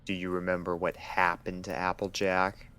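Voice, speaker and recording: A man's voice: low-pitched, completely flat delivery, normal speed, pushed and bright, smooth. A man voicing a guarded, authoritative pony doctor who questions clinically in an audio story. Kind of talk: dramatic audio story acting.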